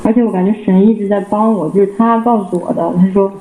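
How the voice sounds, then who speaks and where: A man giving a personal church testimony, halting and repeating himself with many fillers. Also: sits high, fairly even intonation, dark tone. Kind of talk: casual spoken personal testimony. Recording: roomy with faint background noise.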